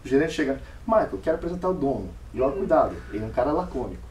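A man's voice: medium pitch, very fast, slight background noise. A man giving a storytelling speech at a club meeting, acting out the dialogue in different voices. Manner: animated, acts out dialogue in varied voices. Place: meeting room. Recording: echoey room from far off.

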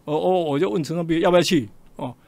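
Fast, gravelly older man with Taiwanese Mandarin accent. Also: fairly high pitch, dry recording. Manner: animated, acts out quoted dialogue with shifting voices. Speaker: radio interview guest. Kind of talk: personal storytelling in a radio interview.

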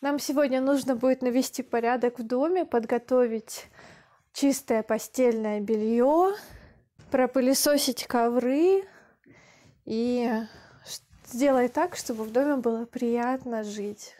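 A young woman vlogging with a camera held at arm's length, calmly explaining as she walks through a country house and its yard, speaking slowly and clearly for language learners. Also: on the high side, dry recording. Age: young adult. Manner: calm, unhurried, deliberate explaining. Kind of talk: slow, clear Russian for learners. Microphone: handheld camera at arm's length.

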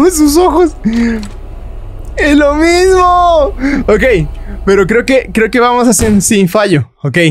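Jumpy joking gamer man. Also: high-pitched. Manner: jumpy and joking, shrieks and nervous laughs. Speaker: gaming YouTuber. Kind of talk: horror gameplay commentary.

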